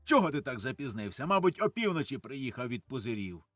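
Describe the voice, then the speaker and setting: A man's voice: mid-range voice, big pitch swings, brisk, dry recording, faint music behind, pitched below the performer's own voice. A man reading the part of a grasping, coarse old farmer who curses and grumbles, in a dry studio audiobook of a stage play. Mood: gruff. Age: older. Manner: gruff, cursing, shouts in his sleep.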